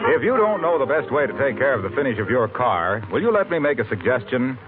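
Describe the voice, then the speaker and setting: A man announcing a sponsored program in a formal, crisp 1940s radio manner. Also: medium pitch, sing-song, quick pace. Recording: tinny old radio broadcast with orchestra music.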